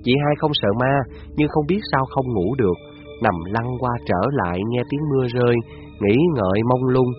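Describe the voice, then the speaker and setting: A man, narrating a scripted story in a measured, descriptive way. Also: medium pitch, narrow, tinny audio, soft background music.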